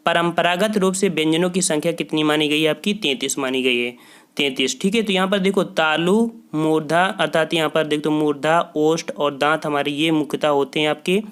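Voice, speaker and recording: Male tutor, exam-prep lesson, smooth slightly high voice, steady quizzing delivery. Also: fairly quick. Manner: explains with rhetorical questions and "theek hai" checks. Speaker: teacher.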